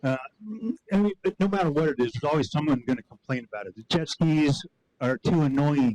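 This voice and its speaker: A man's fairly high, dark and mellow voice in an American accent, fairly quick with lively intonation, dry and close with no echo. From North Idaho. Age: 60s. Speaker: public commenter. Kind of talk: public comment at government meeting.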